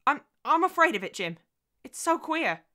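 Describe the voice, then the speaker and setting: A woman reader plays a young mother whose nerves are fraying. The voice is bright and forceful, raised in pitch from plain narration. She sounds anxious, tense and pleading, as in a dramatised audiobook. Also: lively intonation, brisk. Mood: frantic, pleading.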